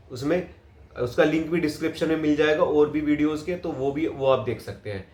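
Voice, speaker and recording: Slow-speaking man teaching acting, echoey room. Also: fairly high pitch. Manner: slow, deliberate, repeats lines with varied pauses and stress. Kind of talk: acting lesson.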